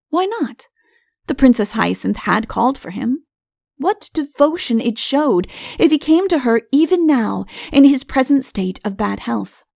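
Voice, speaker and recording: A woman's voice: fairly high pitch, vocal fry, a little mellow, no room sound, clean studio sound. A woman reading a comic fairy tale as an audiobook narrator, in scripted storytelling style.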